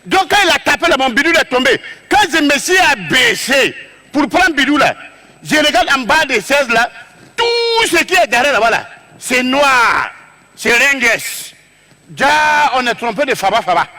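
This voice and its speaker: Stand-up man, West African French accent, animated storyteller, very high and sharp voice. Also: moderate pace. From Togo. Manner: animated, acts out scenes, shouts and drops to low asides. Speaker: stand-up comedian. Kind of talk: comic storytelling on stage.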